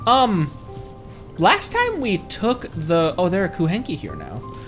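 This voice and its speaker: A man's voice: high-pitched, huge pitch swings, takes it slowly. A man streaming a video game, chatting casually and thinking aloud as he plays. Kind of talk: casual livestream game commentary. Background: faint game music.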